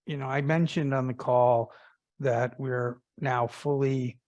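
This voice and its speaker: A man's voice: mid-range voice, steady tone, slow, darkish tone, no room sound. A man speaking as a company executive, answering investor questions on an earnings call and repeating phrases for emphasis.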